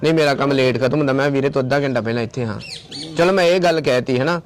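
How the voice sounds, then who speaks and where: A man's voice: medium pitch, rapid-fire, a little hiss or hum. A man from Tarn Taran in Punjab, an ashram caretaker who talks insistently, repeating his points and quoting phone calls. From Tarn Taran district, Punjab. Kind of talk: confrontational on-location video.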